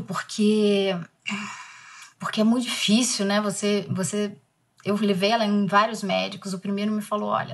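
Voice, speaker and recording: A Brazilian woman in her forties, an actress speaking in an interview and recalling a painful family memory in a reflective, soft manner. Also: medium pitch. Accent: Brazilian Portuguese. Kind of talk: emotional interview talk.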